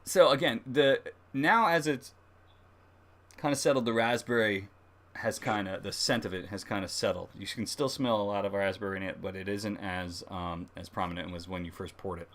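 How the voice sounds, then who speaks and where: A man with a fairly low voice hosts a casual live review. He talks in a halting, conversational way, working out his thoughts as he speaks. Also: fairly bright tone. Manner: halting, thinking aloud. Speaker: host of a beer review livestream. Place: livestream, speaking beside a laptop.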